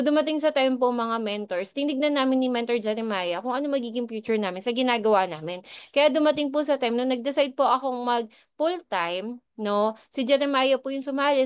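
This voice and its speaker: A woman's voice: fairly high pitch, smooth. A woman sharing her business testimony with a team, in a conversational way with frequent rhetorical asides to the audience and polite, respectful particles. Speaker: business distributor giving a testimony. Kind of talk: motivational testimonial talk to a team.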